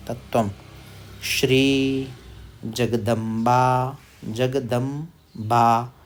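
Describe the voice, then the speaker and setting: A man's voice: medium pitch, darkish tone. A man teaching recitation step by step, drawing out syllables and repeating them as he asks questions. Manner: drills pronunciation, repeating syllables slowly and asking questions; chants verses in slow drawn-out syllables. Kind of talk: slow step-by-step recitation lesson.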